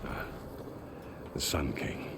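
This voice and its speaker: An actor playing a grave, courteous male tribal official in a video game, speaking in a measured, formal, slightly hesitant way. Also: noisy background, close to an everyday voice. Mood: cautious, explanatory. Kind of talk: video game cutscene acting.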